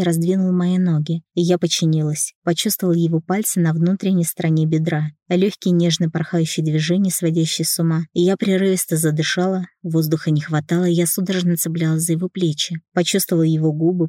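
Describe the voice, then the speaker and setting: A man narrates a first-person romance audiobook with a measured, intimate reading. His voice is dark and mellow, recorded dry and close. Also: on the high side, no echo.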